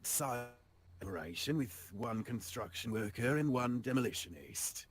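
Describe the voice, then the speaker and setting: A man's voice: mid-range voice, animated, moderate pace, slight background noise, natural voice. Man playing a genteel, swooping, courteous adventurer. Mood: placating. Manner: courteous, wordy, diplomatic. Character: polite, genteel male adventurer smoothing over quarrels.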